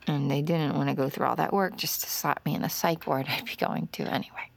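A haunted mom, low gravelly hushed voice, tired, kinda whispery, soft music behind. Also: female voice, steady tone, fairly quick. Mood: bitter. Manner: hushed, weary, often half-whispered confession. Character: haunted grieving mother, middle-aged woman. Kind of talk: audio drama acting.

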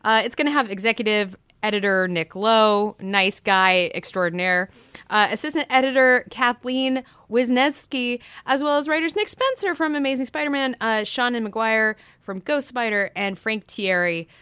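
A woman's voice: a little high, normal speed, pushed and bright, smooth, dry recording. A woman co-hosting a podcast in a casual, chatty style with playful, joking asides. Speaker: podcast co-host. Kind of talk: casual chatty event preview.

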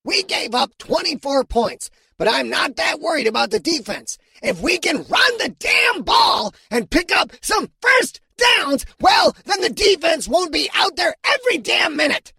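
A man voicing a harsh alien football coach in an audiobook, barking orders and shouting in anger. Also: very high voice, expressive, moderate pace, hardly any pauses, no room sound, clean studio sound, voice pushed up, full character voice. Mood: stern. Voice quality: gravelly, raspy.

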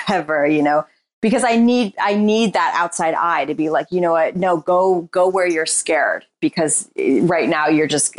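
A woman guest who writes and performs speaks candidly and reflectively in a casual interview, describing herself as shy and introverted. Her voice is low, and she often pauses on "like" and "you know."

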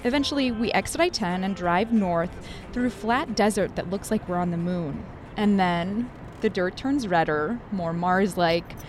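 A woman hosting a radio show, narrating a scripted feature in an upbeat, lively storytelling manner. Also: medium pitch, unhurried, noisy background. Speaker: radio host.

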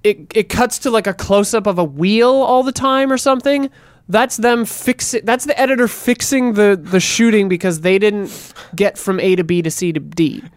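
A man's voice: high-pitched, normal speed, no echo, clean studio sound. A man co-hosting a podcast, chatting casually about film with many fillers and some swearing. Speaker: podcast co-host.

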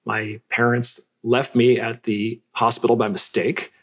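A man's voice: mid-range voice, level tone, a little slow, husky. A middle-aged man from California, a guest artist talking reflectively in an interview, with restarts and fillers. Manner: reflective, self-deprecating, many restarts and fillers. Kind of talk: relaxed conversational interview.

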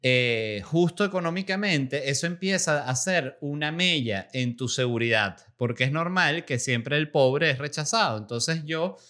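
A Venezuelan man, a comedian and podcast host, telling a lively, salty anecdote in casual chat. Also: fairly high pitch, normal speed, few pauses. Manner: lively anecdote-telling, salty language, acts out quoted voices.

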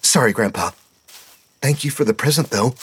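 A man voicing an eager young boy scout, talking high and breathless. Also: moderate pace, breathy edge.

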